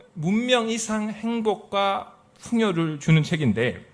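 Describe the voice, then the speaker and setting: The recording is very clean, and the background is silent. A man's intonation here is lively. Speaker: pastor. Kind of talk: sermon. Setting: church. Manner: conversational, with fillers.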